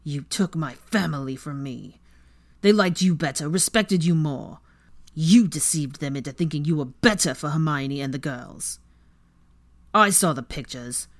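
An angry, vehement man spitting bitter accusations through clenched teeth, put on by a low-voiced woman narrator. He snarls with hatred and blame, louder than the narration. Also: lively intonation, unhurried.

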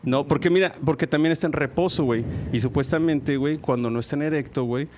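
A man's voice: fairly high pitch, fast, darkish tone, a little hiss or hum. A young Mexican man hosting a casual chat, slangy and laughing, with constant filler words between phrases. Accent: Mexican Spanish. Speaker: podcast host.

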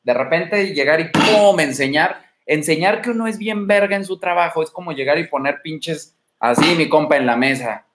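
A man with a Mexican accent speaks in a slightly raised voice, casually lecturing viewers of his home livestream. His manner is blunt and swaggering, salted with crude slang and rapid-fire rhetorical questions. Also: fairly high pitch, fairly bright tone. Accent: Mexican Spanish. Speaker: dating advice livestream host. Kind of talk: casual livestream advice talk. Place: indoor room at home. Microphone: streaming from home.

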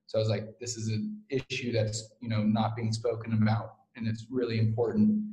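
Flat-voiced young Midwestern American man. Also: on the low side. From Kansas, US. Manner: hesitant, halting with fillers. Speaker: guest, co-founder. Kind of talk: casual interview talk. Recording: roomy echo.

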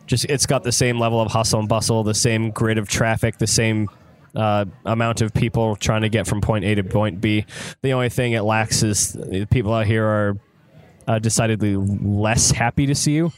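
A man's voice: on the low side, fairly even intonation, normal speed. Slangy American man hosting a casual chat. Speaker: podcast host. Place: restaurant.

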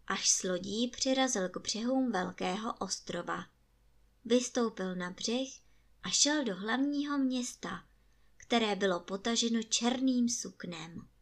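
A woman storyteller reading a fairy tale aloud in a calm, measured way. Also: medium pitch.

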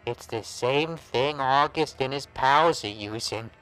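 An actor playing a monstrous transformed old pal in a noir horror audio drama, taunting and warning in drawn-out, insinuating gangster slang. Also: male voice, medium pitch, a bit bright, soft background music, rough recording. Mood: sly, accusing.

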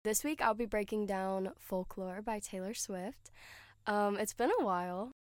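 Young woman, podcast host, nasal, stuffy nose, chatty with fillers, smooth voice, dry close mic. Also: medium pitch, steady tone, a little slow, no room sound. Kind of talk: casual solo podcast chat.

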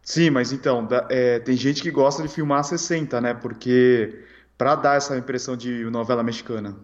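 A man co-hosting a podcast, chatting casually with short relaxed replies. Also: mid-range voice, moderate pace, muffled recording. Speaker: podcast co-host. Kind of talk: casual chat.

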